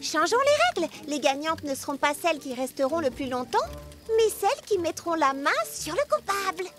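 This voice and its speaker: Reassuring cartoon girl, very high, measured, music behind. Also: very animated, fairly bright tone. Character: calm, sensible young cartoon girl leader. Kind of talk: cartoon dub acting.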